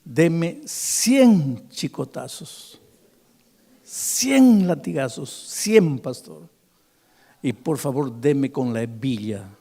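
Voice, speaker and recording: A male preacher voicing a tearful drunk man who pleads and begs in a quiet, shaky voice. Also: mid-range voice, slow, pauses often, husky, long reverb tail. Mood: pleading. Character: weeping drunk man begging for punishment.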